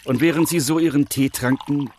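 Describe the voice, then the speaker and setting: A man reading a children's bedtime story in a gentle, expressive way. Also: fairly high pitch, a little fast, slight background noise. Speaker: narrator. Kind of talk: scripted storybook narration.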